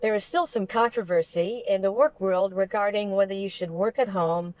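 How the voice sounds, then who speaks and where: Adult female voice-over, crisp and medium-pitched, processed through an AI voice changer. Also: normal speed, darkish tone, lo-fi sound. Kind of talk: read voice-over narration.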